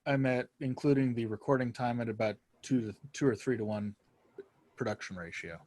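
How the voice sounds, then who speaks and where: A man talking casually as an interview guest, halting and circling his point before landing on it. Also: medium pitch, a little mellow, no echo. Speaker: podcast guest, writer and podcaster.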